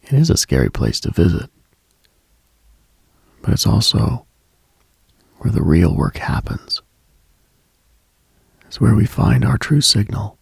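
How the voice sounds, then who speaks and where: A late-night radio host, a man with a very low, heavily fried voice, murmurs a slow, mystical, ASMR-like monologue. He sounds husky, gravelly and breathy, hushed and musing, pausing often and long. The dry, close recording captures a very animated delivery.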